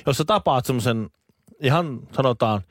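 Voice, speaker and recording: A Finnish man co-hosting a podcast, chatting in an animated, rambling way with many restarts. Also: medium pitch, dry recording, studio quality. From Finland. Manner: animated, rambling, with false starts. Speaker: podcast co-host. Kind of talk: casual chat.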